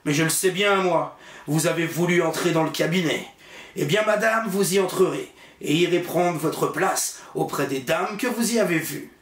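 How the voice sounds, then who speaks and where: A man's voice: on the high side, normal speed, a bit bright, close to an everyday voice. A man voicing a cruel, murderous rich husband in a storybook, talking in a stern, threatening way. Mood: menacing. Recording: roomy echo.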